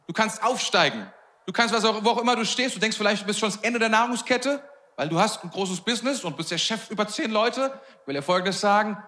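High-voiced preacher in a reverberant hall. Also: male voice. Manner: casual, lively retelling in everyday slang. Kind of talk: sermon with Bible reading.

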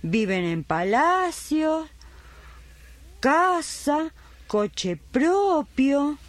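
A woman's voice: high-pitched, sing-song, very slow, full character voice. A woman playing an elderly retired midwife, devout and plain-spoken, in a radio drama. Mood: indignant. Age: older.

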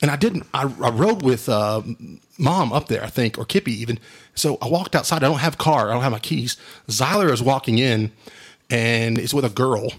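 A middle-aged man with a drawl tells stories in a booming voice that has a husky grain. He is animated and laughs easily, and he drops "dude" into almost every sentence. He speaks at a medium pitch for a man. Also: normal speed. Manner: animated, laughs often, says "dude" a lot. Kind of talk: casual storytelling chat.

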